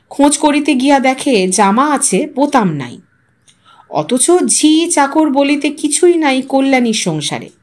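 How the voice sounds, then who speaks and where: A woman reading a literary short story aloud in an expressive storytelling style. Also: sits high. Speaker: audio story narrator.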